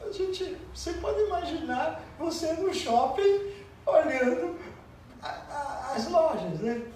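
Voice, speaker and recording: A man's voice: very high-pitched, lively intonation, takes it slowly, a little mellow. Brazilian preacher man in an echoey church. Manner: conversational, storytelling, frequent tag questions. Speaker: pastor. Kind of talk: sermon. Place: church sanctuary. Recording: very echoey church, distant mic, faint noise.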